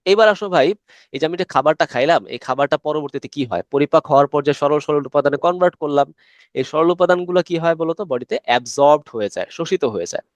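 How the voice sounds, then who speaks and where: Young male biology tutor, fast and conversational, slightly high voice, dry close-mic sound, quizzes and answers himself. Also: dry recording. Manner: chatty, asks questions and answers them himself; mixes English terms into Bangla speech. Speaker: biology teacher. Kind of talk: recorded online lecture.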